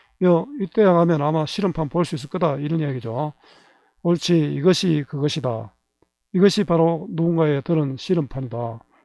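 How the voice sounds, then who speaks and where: A man's fairly high voice with a Gyeongsang accent, dark and mellow in tone, over a quiet background. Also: ordinary pitch variation, moderate pace. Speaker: Korean language teacher. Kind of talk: lecture explaining a literary text, with read-aloud passages.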